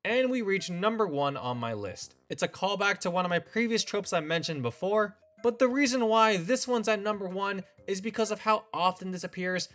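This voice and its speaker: A man's voice: high-pitched, fairly bright tone. A man hosting a scripted commentary video, opinionated with a wry, sarcastic edge. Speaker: video essay host.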